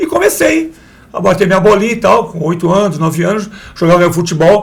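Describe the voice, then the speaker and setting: Over noticeable background noise, a man with a high-pitched voice talks at a fairly quick pace. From Brazil, São Vicente (São Paulo coast). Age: 60s. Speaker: physical education professional, former goalkeeper. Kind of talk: interview.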